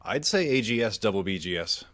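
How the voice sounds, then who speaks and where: A man's voice: on the low side, very animated, a little fast, a bit bright, dry recording. A young man in casual voice chat with his gaming group, talking in a dry, matter-of-fact way.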